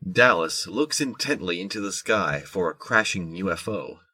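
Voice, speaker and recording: A man narrating a scripted audio drama in a measured, descriptive storytelling manner. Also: sits low, expressive, bright, forceful tone, husky, dry recording.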